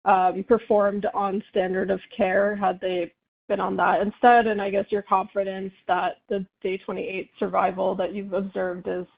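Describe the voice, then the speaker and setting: A woman's voice: mid-range voice, gravelly. A woman analyst asking questions conversationally on an earnings call over a thin phone line.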